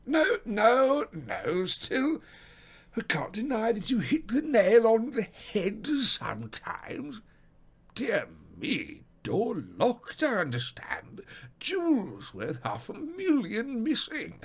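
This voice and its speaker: A stout, pompous police detective in a storybook reading. The voice is husky and wheezy, drawling each phrase slowly and swooping widely in pitch. He blusters with great self-satisfaction. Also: huge pitch swings, full character voice. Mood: smug bluster. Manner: pompous, drawn-out emphatic delivery. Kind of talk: audiobook character acting.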